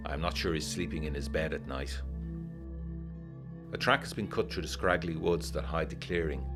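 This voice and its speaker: An actor playing a haunted, uneasy war veteran of the 1920s, narrating his letters in a measured, literary, brooding way for a gothic audiodrama. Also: extremely low pitch.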